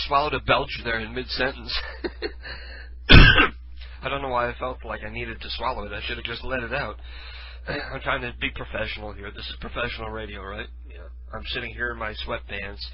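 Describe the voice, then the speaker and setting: A man's voice: mid-range voice, dull audio, a little hiss or hum. Stuffed-up man rambling on home radio. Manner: loose, self-deprecating, swears casually. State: stuffed up from a head cold. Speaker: internet radio host. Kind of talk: casual rambling monologue. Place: his living room at home. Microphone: studio mic with headphones.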